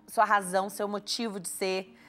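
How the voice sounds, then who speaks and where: A woman's voice: medium pitch, flat delivery, moderate pace. Woman hosting a studio talk show. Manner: conversational, warm advice-giving, frequent tag questions. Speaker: TV health show host.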